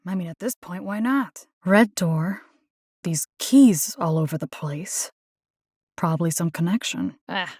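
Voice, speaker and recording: Game role: actress as young Latina combat rescue engineer. Tough, wry, slangy, very dry studio sound. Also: female voice, mid-range voice, darkish tone, no echo, lightly acted. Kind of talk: video game character voice lines.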